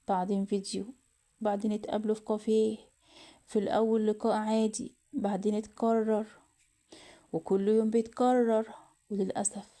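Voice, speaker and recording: A woman's voice: mid-range voice, mellow. A woman with an Egyptian accent narrating a moral family story, emotional and often half-whispered. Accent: Egyptian Arabic.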